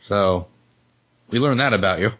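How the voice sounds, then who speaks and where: A male podcast co-host, hoarse and losing his voice after the flu, chatting casually and joking with frequent laughs. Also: fairly low pitch, normal speed, lo-fi sound. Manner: joking, rambling, laughs often. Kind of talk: casual comedic chat.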